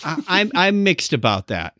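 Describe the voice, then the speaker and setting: A man in a casual film discussion, animated and joking, who stammers and restarts his sentences. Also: on the high side, normal speed.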